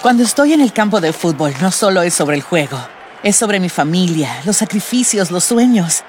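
A woman's voice: fairly low pitch, expressive, moderate pace, darkish tone, slight background noise, natural voice. A woman playing an earnest young soccer player in a sincere, reflective ad monologue. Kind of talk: heartfelt ad monologue. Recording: with music and crowd behind.

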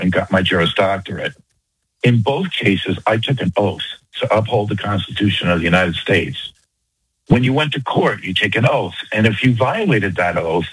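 Older New York-accented male caller, low and husky, dry close sound, eager and quick. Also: fairly bright tone, dry recording, poor audio. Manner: fast, earnest, eager to make his point. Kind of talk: phone-in call to a talk radio show.

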